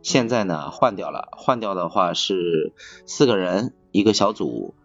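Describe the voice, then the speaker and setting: Low-voiced man chatting, repeating himself. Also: very animated, a little slow, fairly bright tone, breathy edge, no room sound. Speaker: podcast speaker, factory assembly worker. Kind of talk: casual chat. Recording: slightly dull, music behind. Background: music.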